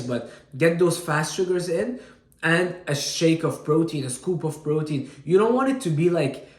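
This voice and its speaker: A man from Syria giving casual fitness and diet advice straight to camera, energetic and often checking in with "all right?". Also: a little high, reverberant. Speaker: fitness coach.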